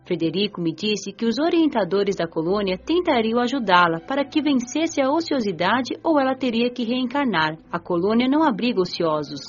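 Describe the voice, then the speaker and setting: An actress with a Brazilian accent playing a gentle, curious young spirit woman who narrates her afterlife story in an audio drama. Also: on the high side, big pitch swings, normal speed, few pauses. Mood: calm, recounting. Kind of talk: scripted first-person audiobook drama narration. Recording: dull lo-fi audio, music behind.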